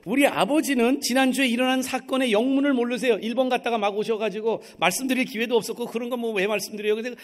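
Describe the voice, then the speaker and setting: A middle-aged male pastor with a high voice gives a sermon in a church. He tells a personal story in a lively way and acts out the voices of the people in it. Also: fast, few pauses. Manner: storytelling, acting out quoted voices. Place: church sanctuary.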